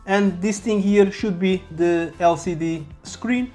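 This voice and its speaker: Casting: casual product-unboxing vlogger, halting and repetitive phrasing, music underneath. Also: mid-range voice, dark tone. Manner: halting, repeats words. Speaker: YouTube vlogger. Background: background music.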